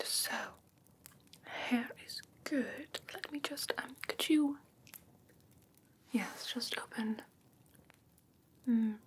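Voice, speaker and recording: Slow whispering fae creature, acted by a woman. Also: on the high side. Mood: inspecting, curious. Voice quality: breathy, mostly whispered. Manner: slow, soothing, politely haughty, curious. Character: whimsical female fae creature gently inspecting a human pet. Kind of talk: ASMR fantasy roleplay. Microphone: close ASMR microphone.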